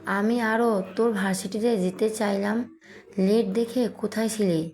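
A woman storyteller voicing a good-humored middle-aged father who teases his family, in a mellow reading voice. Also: mid-range voice, steady tone, normal speed, close to an everyday voice. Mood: teasing. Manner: teasing, easygoing.

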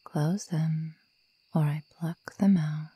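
A woman voicing a sadistic young female werewolf in a slow ASMR roleplay, whispery and breathy, taunting and menacing her prey. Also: low-pitched, fairly even intonation, warm tone, dry recording, full character voice. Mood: cruel, playful. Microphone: close microphone, dry.

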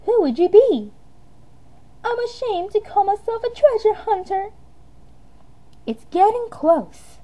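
A sassy female bat from a cartoon game, acted out by an amateur woman. Her voice is pitched high and showy, the proud voice of a flirty treasure hunter. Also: animated, takes it slowly, pauses often, warm tone, exaggerated voice. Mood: sassy, teasing.

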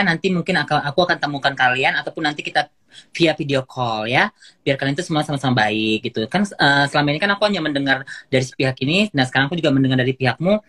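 A livestream host speaking in a measured, conciliatory way, with frequent hesitations and fillers. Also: medium pitch, a bit bright. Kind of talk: casual livestream chat.

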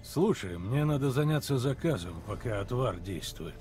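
An actor playing a stoic, weary male monster hunter in a video game, with a terse, deadpan delivery. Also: mid-range voice, normal speed, slight background noise, natural voice. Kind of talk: video game dialogue acting.

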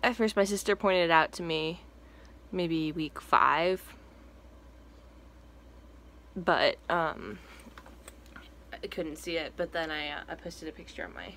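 A young trans man takes it slowly, pausing often, in a voice on the high side that sounds pushed and bright. He's vlogging a casual update from a small indoor room at home, rambling chattily with many fillers and restarts while his voice cracks at times.

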